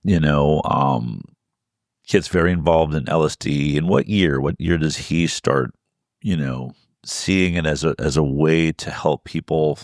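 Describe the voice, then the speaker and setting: A man in his fifties with a very deep, low voice hosts an interview. He talks easily and conversationally, with plenty of "um"s. The recording is close and dry. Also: measured pace, dry recording. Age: 50s. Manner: relaxed, conversational, with frequent "um" fillers. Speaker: podcast host.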